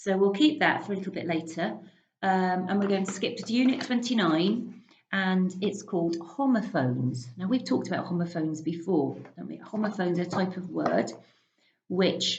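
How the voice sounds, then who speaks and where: Speaking at a moderate pace with lively intonation, a woman at medium pitch shows vocal fry, and audible room echo surrounds her. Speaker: primary school teacher. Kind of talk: online lesson for children.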